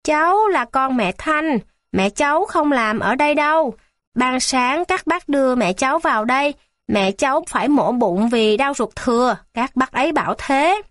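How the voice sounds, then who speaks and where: A woman voicing a small boy in a children's storybook, in a high childlike pleading voice. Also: animated, normal speed, a bit bright, dry recording, studio quality. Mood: earnest. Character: small boy worried about his sick mother. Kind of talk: storybook reading.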